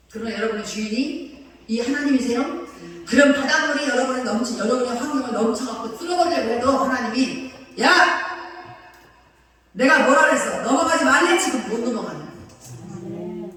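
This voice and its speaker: A woman pastor preaching a sermon in an animated, colloquial way, acting out quotes. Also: a little high, brisk, long pauses. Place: church sanctuary. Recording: echoey church hall, distant mic.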